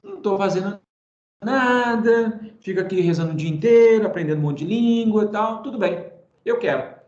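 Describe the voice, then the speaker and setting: Man putting on a high-pitched bored Brazilian teenage prince. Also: moderate pace, a little mellow, natural voice. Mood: bored, agreeable. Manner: colloquial, offhand complaining. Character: bored, easygoing teenage prince agreeing casually. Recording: roomy, dull online class sound.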